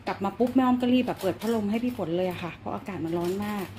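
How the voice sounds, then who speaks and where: A woman's voice: medium pitch, rapid-fire, background noise. Chatty woman cooing to her pets. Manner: chatty, coos and baby-talks to her pets. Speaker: pet-owner vlogger. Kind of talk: casual chat filming her pets. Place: at home with her animals.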